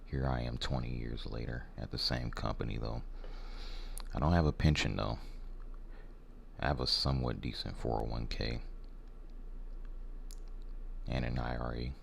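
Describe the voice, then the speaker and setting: A soft-spoken American man playing a rude, jaded warehouse hiring manager in an ASMR role-play, blunt, halting and apathetic. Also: very deep voice, steady tone, creaky, full character voice. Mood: dismissive, bored. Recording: faint background noise.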